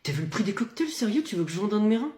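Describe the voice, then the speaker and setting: A woman's voice: medium pitch, very animated, rapid-fire, a little mellow, natural voice. A woman playing a stingy, defensive young man out on a dinner date, grumbling and petty. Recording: roomy echo.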